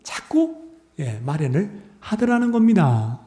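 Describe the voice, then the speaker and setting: A man's voice: medium pitch, normal speed. A male pastor giving a sermon, acting out dialogue and asking the congregation questions he then answers. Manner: animated preaching, acting out dialogue between voices.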